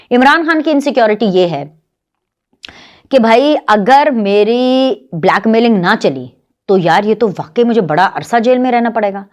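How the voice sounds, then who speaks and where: A woman in her thirties with a Pakistani Urdu accent, hosting her own show and delivering a heated, mocking political monologue. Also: mid-range voice. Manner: scornful, mocking, animated. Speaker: political commentary show host.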